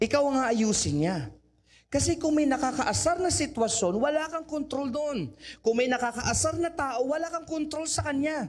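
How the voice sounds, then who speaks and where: At a moderate pace, a man talks in an animated tone with an extremely high pitch. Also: ordinary pitch variation, very clean recording, silent background. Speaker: pastor. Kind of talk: sermon.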